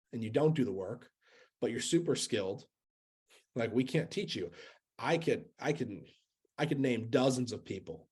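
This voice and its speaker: A man's voice: medium pitch, a little mellow. A man in his thirties giving an earnest motivational talk to sales agents, repeating key phrases and using many fillers. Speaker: sales coach.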